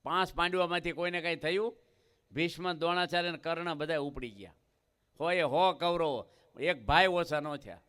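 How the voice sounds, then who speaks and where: A man's voice: fairly high pitch, moderate pace, bright, forceful tone, smooth. A man with a Gujarati accent giving a devotional discourse as a swami, telling scripture stories in a folksy way, acting out their dialogue and asking the audience questions.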